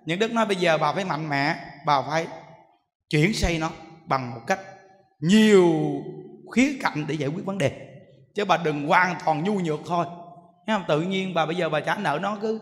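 Monk preaching, jokey storyteller, high voice, long echo in the hall. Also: male voice, brisk. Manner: animated, joking storyteller with rhetorical questions. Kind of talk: sermon. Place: temple hall with an audience. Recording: echoey hall.

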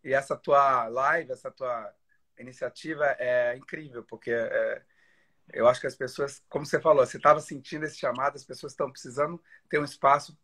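A man joining a casual live-stream chat from home over a video call, joking about himself and speaking warmly of his family with hesitant restarts. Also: medium pitch, steady tone, brisk. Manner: chatty, self-mocking, hesitant restarts when emotional. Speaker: guest. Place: home in isolation. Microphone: phone or computer on a video call.

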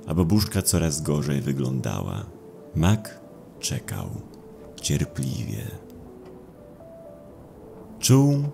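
A man narrating a dark audio drama in a brooding, dramatic way with deliberate pauses. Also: a bass voice, creaky. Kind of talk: dramatic scripted horror narration.

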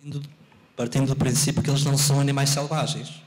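A man's voice: medium pitch, level tone, fast talker. A man in his thirties with a European Portuguese accent, a math teacher giving an expansive answer on a handheld mic in a university auditorium. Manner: expansive, explanatory, asks if understood. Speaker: invited speaker, math teacher. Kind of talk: lecture answer to audience. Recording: roomy auditorium sound.

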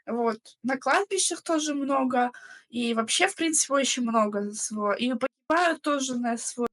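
A woman's voice: sits high, normal speed, fairly bright tone. A young woman from the Russian Far East chatting casually on a video call, hesitant and full of fillers. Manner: hesitant, filler-heavy, unsure. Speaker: chat roulette guest. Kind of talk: casual chat.

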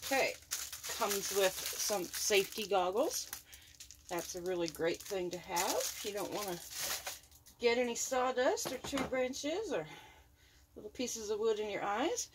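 A woman's voice: mid-range voice, noisy background. A woman giving a chatty, upbeat unboxing review of a tool in her home workshop, talking from behind the camera. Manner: chatty, upbeat, repeats praise. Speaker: product reviewer.

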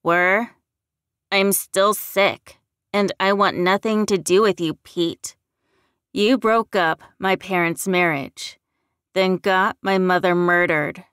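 A woman's voice: mid-range voice, steady tone, takes it slowly, fairly bright tone, smooth, no echo, clean studio sound. A woman voicing a sick, angry young werewolf man in an audiobook story, combative, sarcastic and accusing. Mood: bitter, accusing.

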